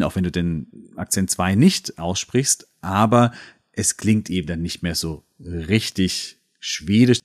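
A man co-hosting a podcast language lesson, explaining stress rules in a chatty way, with many fillers. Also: on the low side. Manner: explanatory, with frequent fillers and restarts. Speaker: podcast co-host.

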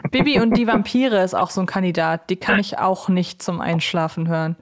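A woman's voice: fairly low pitch, fairly quick. A woman hosting a casual podcast interview in a chatty, conversational way. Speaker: podcast host.

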